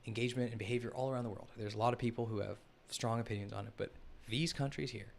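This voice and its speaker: A man with a mid-range, gravelly voice talks fast in a fairly even tone, with a little hiss or hum behind him. He hosts a live analysis stream, rambling loosely over a map, correcting himself, often restarting sentences and speaking to the chat.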